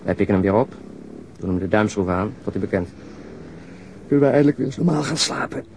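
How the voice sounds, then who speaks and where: Blunt impatient detective, radio play, gruff, low pitch, faint background noise. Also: male voice, lively intonation, quick pace, a little mellow. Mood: irritated. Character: blunt, impatient, grumbling male police detective. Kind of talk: radio drama acting.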